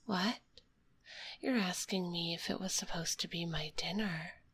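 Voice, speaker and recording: A woman playing a kind, curious spider monster girl in a whispered ASMR roleplay, speaking gently in a breathy, politely formal way, close to a binaural microphone. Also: lowish voice, unhurried, heavily acted. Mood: wistful, fascinated. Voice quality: breathy, hushed.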